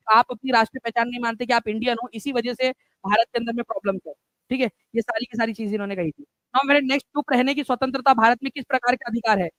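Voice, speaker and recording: High-voiced man teaching a lively class. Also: no echo, rough recording. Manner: chatty, repeats key points with frequent "theek hai" and "friends". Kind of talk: live online exam-prep class.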